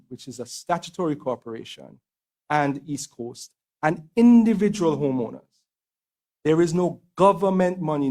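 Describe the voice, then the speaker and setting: Male government official with a Caribbean accent and a higher-than-average voice, measured and formal in explanation. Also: darkish tone. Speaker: attorney general.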